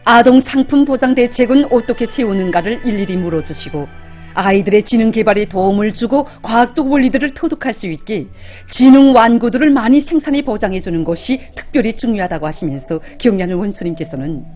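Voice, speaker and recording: A woman's voice: on the high side, darkish tone. A woman with a North Korean accent reading scripted television news in a formal, solemn, reverent and emphatic declamatory manner.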